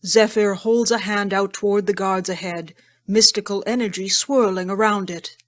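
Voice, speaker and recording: Medium-pitched woman narrator. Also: fairly even intonation, moderate pace. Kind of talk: scripted audio drama narration.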